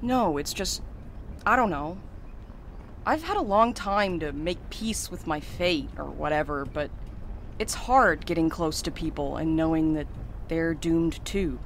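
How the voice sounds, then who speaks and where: Blunt, low-voiced sardonic woman played by an actress. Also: animated, measured pace, a little hiss or hum. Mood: guarded, rueful. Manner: sardonic, hard-edged and blunt. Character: blunt, sardonic, jaded queer woman courier. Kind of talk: naturalistic audio drama acting.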